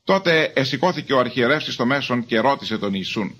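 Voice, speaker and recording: A man giving a measured, formal reading of scripture as a Bible reader. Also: medium pitch, animated, a bit bright.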